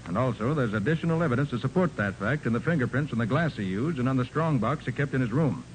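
Actor as a confident detective, animated 1940s radio style. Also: male voice, mid-range voice, fast, close to an everyday voice. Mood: authoritative. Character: confident, brisk male private detective in charge. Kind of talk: 1940s radio crime drama acting. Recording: noisy 1940s radio recording.

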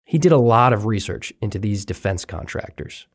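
A man hosting a documentary podcast, reading scripted narration in a measured, even way. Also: on the low side, no echo, studio quality. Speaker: podcast host.

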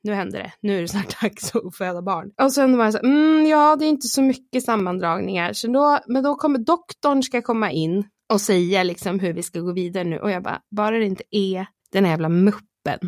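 Woman guest spilling her story, animated, acts out what she said, swears, laughs a lot, dry close sound. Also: medium pitch, few pauses, dry recording. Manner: lively, acts out her own quotes, swears and laughs often. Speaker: podcast guest. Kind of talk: candid personal storytelling.

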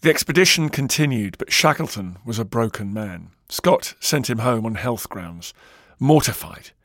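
A man's voice: mid-range voice, animated, normal speed, a bit bright, no echo, studio quality. A man narrating a scripted history documentary with dramatic, varied emphasis.

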